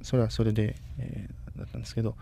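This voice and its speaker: A native Spanish speaker from Costa Rica in his thirties appears as a guest in a casual interview, speaking politely and in a measured way while often pausing to find words. His voice is on the low side, level, gravelly, and dark in tone.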